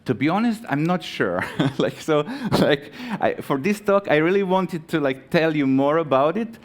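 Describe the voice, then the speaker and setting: A man from Croatia in his thirties giving a live conference talk, halting with many fillers and restarts, friendly and chatty with the audience. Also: a little high, lively intonation. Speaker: conference speaker. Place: conference stage.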